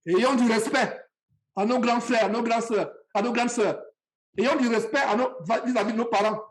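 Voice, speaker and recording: A man's voice: very high-pitched, fairly even intonation, moderate pace. A man from Cameroon, preaching a sermon and speaking straight to his listeners with passion and repetition.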